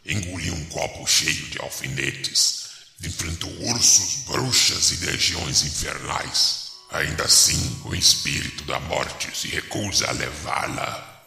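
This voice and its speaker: A man's voice: a bass voice, slow pace, gravelly, bright, forceful tone, voice pushed down, full character voice. A man playing a grim, sardonic old ghost who guides through a cemetery in solemn, archaic phrasing, in a horror audio drama. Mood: ominous. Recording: echoey hall reverb, music behind.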